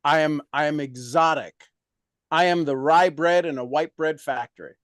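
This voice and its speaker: Man, sales coach, motivational, emphatic, slightly high, dry. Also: moderate pace, no room sound. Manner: emphatic, animated, preaching-like.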